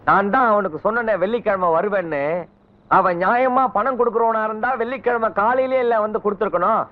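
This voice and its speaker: Actor playing a high-voiced blustering angry man. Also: a little fast, a little hiss or hum, close to an everyday voice. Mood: threatening. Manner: scolding, blustering. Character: loud aggrieved man hunting a friend who owes him money. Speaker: film comedy character. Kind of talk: 1990s film comedy acting. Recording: dull film soundtrack with music.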